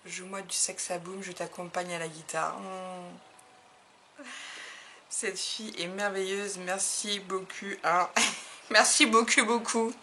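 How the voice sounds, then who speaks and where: A woman's voice: lowish voice, little pitch movement, slow, pushed and bright. A woman from France chatting casually as she opens fan mail for her craft videos, laughing often and gushing with enthusiasm. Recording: audible background noise.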